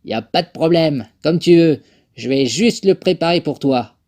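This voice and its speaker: A man voicing an obliging, slow-witted cowboy sidekick with meek replies in a parody western film dub. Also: fairly high pitch, animated, darkish tone, voice pushed up, natural voice. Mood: compliant.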